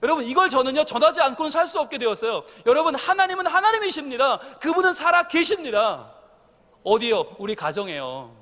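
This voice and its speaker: A middle-aged man preaching a sermon, telling a family story and acting out the quotes with lively storytelling. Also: extremely high pitch, brisk, big-room sound. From South Korea. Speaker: pastor. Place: church sanctuary.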